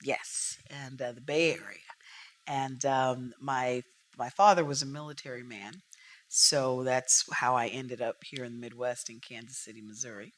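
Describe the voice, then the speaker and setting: A jazz singer from Oakland, California, a woman telling stories from her career as a podcast guest, animated and lively. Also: a bass voice, moderate pace. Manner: animated storyteller, acts out quotes. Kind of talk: storytelling interview talk.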